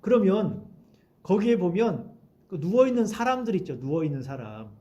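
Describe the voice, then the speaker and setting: A man's voice: high-pitched, big pitch swings, moderate pace, dark tone, highs cut off. A male pastor preaching a sermon in a conversational way, often acting out quoted voices of people.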